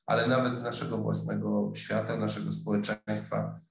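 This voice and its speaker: A man's voice: on the low side, completely flat delivery, normal speed, creaky, soft background music. Hesitant, thoughtful man in an echoey room. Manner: thoughtful, hesitant, many fillers and restarts. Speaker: sociologist lecturer. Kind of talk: online lecture. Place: office room, indoors. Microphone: webcam video call.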